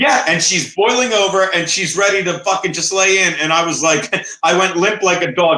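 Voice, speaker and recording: Raising and projecting his voice, a man speaks at a high pitch with ordinary pitch variation. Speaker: comedian. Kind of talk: casual chat. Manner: loud.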